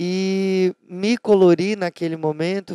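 With a dark, mellow tone and a fairly low pitch, a woman speaks in fairly even intonation, recorded dry with no echo. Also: quiet background. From Ceará, Cariri region (Juazeiro do Norte), northeastern Brazil; Ceará, Brazil. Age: 20s. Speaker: visual artist. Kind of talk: artist talk. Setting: stage. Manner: halting, many fillers. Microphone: handheld.

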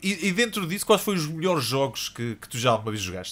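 With a European Portuguese accent, a man speaks in a bright, sharp tone at a fairly high pitch, swinging very widely up and down. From Portugal. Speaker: gaming podcast host; podcast host. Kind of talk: casual chat; casual podcast interview conversation. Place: home room. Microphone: studio mic.

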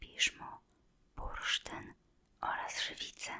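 Whispering, a woman speaks at a very slow pace. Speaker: ASMR creator roleplaying a perfume shop assistant. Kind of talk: ASMR roleplay, perfume shop consultation. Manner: soft-spoken, whispered.

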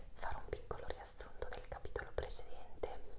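A woman with an extremely high pitch speaks at a moderate pace. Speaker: ASMR creator. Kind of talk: audiobook reading. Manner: whispered. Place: home room. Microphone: lapel.

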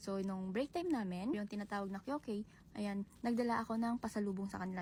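At a very fast pace, a woman speaks in a dark, mellow, somewhat breathy tone with a medium pitch and ordinary pitch variation. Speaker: farmer and vlogger. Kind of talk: casual vlog narration.

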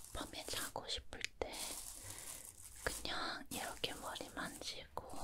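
A soft-spoken woman whispers at a very slow pace. Noticeable background noise is heard. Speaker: ASMR creator. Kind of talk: casual vlog chat. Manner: soft ASMR whisper close to mic. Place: home room. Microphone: studio mic.

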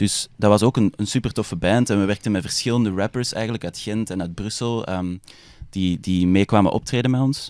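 A man with an unremarkable speaking voice, fairly low pitch, fairly even intonation and a fairly quick pace, in a dry sound with no echo against a quiet background. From Belgium, Antwerp; Belgium. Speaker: rapper and singer; guest. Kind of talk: casual interview chat. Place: studio. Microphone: studio mic.

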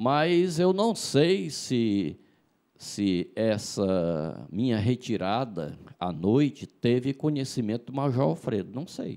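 Against a quiet background, a man speaks at a very slow pace. His dark, mellow tone moves through very wide pitch swings. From Brazil, Ceará (Fortaleza); Ceará, Brazil. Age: 60s. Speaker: former political prisoner and militant; witness. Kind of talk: testimony. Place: meeting room. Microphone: handheld.

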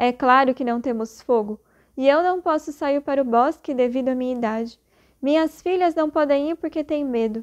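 With a quiet background and a dry, close sound with no echo, a woman speaks. Her pitch is high, with ordinary pitch variation. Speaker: audiobook narrator. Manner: slow, suspenseful, expressive; shifts pitch and tone to voice each character.

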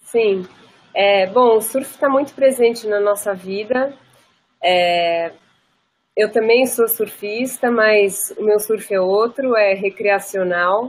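Her fairly high-pitched voice moves at a very slow pace with long, frequent pauses. The woman keeps very even loudness and ordinary pitch variation. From São Paulo, Brazil. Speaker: surfer's wife, former environmental manager. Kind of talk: casual interview. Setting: video call from a beachside home.

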